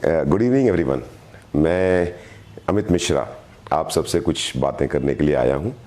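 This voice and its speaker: A middle-aged man with a sore, hoarse throat giving an earnest motivational live video address as a direct selling team leader, repeating phrases for emphasis. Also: rumbling low, unhurried, warm tone.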